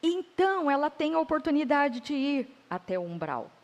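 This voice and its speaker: A woman's voice: high voice, big pitch swings, moderate pace, dull audio. A woman with a Brazilian Portuguese accent in a spiritist talk, reflective and affirming as she retells edifying stories. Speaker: spiritist lecturer. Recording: reverberant hall.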